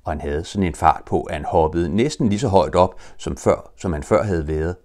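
An older Danish man reading a children's storybook aloud with lively, expressive storytelling. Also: low voice. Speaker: audiobook reader.

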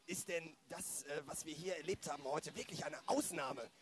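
A man's voice: a little high, moderate pace, fairly bright tone, close to an everyday voice. A man acting an eager, fussy newcomer police detective in an amateur radio play. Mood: chatty, curious.

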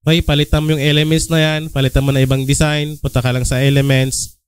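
A man's voice: medium pitch, flat delivery, quick pace, clean tone, no echo. A young Filipino man hosting a casual design tutorial, talking at ease with many "ah" fillers and "okay?" check-ins. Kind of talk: casual screen-recorded tutorial.

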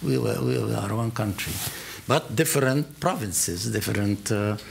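An older man from Palestine with an Arabic accent, speaking English as a guest on stage in a lecture hall, telling stories with emphatic, animated delivery and many restarts. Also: lowish voice, normal speed, creaky, a little hiss or hum. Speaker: art collector, guest. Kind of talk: conversational storytelling on stage. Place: lecture hall with seated audience.

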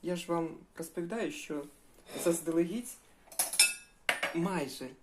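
A woman's voice: deep voice, animated, measured pace, darkish tone. An older woman chatting in a homely way while she cooks breakfast, addressing her viewers as girls. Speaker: cooking vlogger. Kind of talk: casual cooking vlog.

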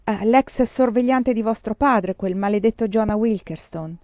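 A woman's voice: mid-range voice, normal speed, a little mellow, no echo, dull audio, close to an everyday voice. A woman voicing a frightened young woman who asks anxious, insistent questions.

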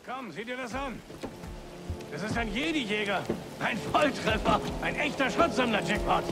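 A man voicing a kindly, world-weary older alien scrap worker in a video game, chatty and halting, with a gravelly voice. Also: very high-pitched, animated. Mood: chatty, grumbling. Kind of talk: video game cutscene acting. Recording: game scene under loud music, rain.

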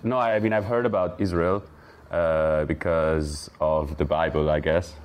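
A man's voice: a bass voice, fairly even intonation, normal speed, smooth. A young man from Switzerland, talking thoughtfully as a podcast guest, with frequent fillers and restarts. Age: young adult. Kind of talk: casual interview talk.

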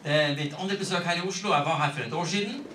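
A man's voice: fairly high pitch, fast, bright, forceful tone, distant mic. A man in his fifties from Norway, interpreting a talk phrase by phrase in short segments. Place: medium meeting hall, indoors. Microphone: handheld mic, picked up by distant camera. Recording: echoey room from off, faint noise.

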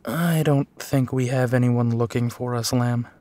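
A man plays a weary werewolf detective in an audio drama, teasing and intimate. The pace is slow and unhurried, and the sound is close and dry. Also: mid-range voice, steady tone, warm tone, no echo, lightly acted. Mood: amused teasing. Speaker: audio roleplay actor. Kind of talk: intimate detective roleplay acting.

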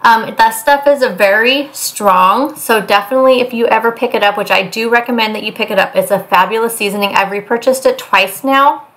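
A woman's voice: fairly high pitch, fairly quick, fairly bright tone, low-quality recording. A woman chatting casually through a meal prep video in her home kitchen, rambling with fillers. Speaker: cooking vlogger.

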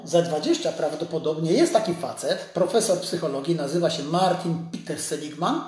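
A man's voice: a little high, darkish tone. A man in his sixties giving an informal live talk to viewers, explaining things conversationally, with a strong echo from a large empty room. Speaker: doctor hosting a live stream. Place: large, empty, hard-surfaced dental office.

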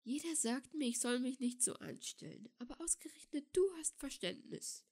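A woman's voice: high voice, expressive, normal speed, darkish tone, voice pushed up. A woman reading the lines of a bitter, prickly young man in an audiobook, keeping them curt and grumbling. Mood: resigned.

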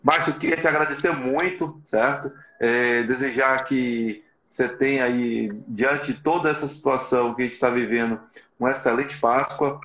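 A man's voice: mid-range voice, fairly even intonation, normal speed, fairly bright tone. Echoey middle-aged man, earnestly exhorting. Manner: earnest, exhorting, frequently adds tag questions. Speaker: live stream host for a business support agency. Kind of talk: motivational live webinar talk. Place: small plain room indoors. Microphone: video call, device in front of him. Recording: echoey, slightly dull video call audio.

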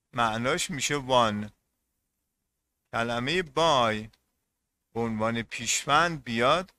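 A man teaching a classroom lesson in a bright, forceful voice. He goes over each term more than once and keeps turning to the class with questions. His pitch sits in a middle range. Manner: repeats terms and quizzes the class. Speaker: English teacher.

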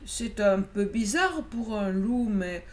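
A woman doing a calm, lonely young white wolf. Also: mid-range voice, takes it slowly. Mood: polite.

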